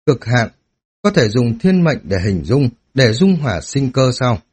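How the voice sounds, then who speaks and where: A man voicing a young male cultivator who murmurs his thoughts in a measured, brooding way, read in an audiobook. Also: medium pitch, sing-song, darkish tone, husky. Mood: doubtful. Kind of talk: audiobook character reading.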